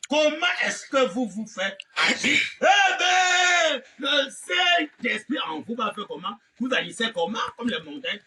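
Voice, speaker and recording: A man with a very high, strained and bright voice delivers an exclamatory, theatrical revivalist sermon full of fire. He keeps repeating phrases and amens and adds mocking theatrical asides, recorded from a distance with faint background noise.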